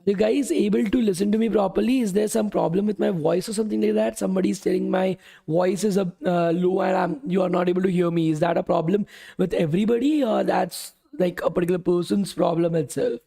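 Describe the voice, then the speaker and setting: A man's voice: high voice, fairly even intonation, fast talker, vocal fry, dark tone. A young man teaching a live coding class, his voice worn from talking all day. He talks casually, keeps saying "okay" and "guys", and answers questions from the chat. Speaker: coding bootcamp instructor. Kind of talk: live-streamed coding lesson.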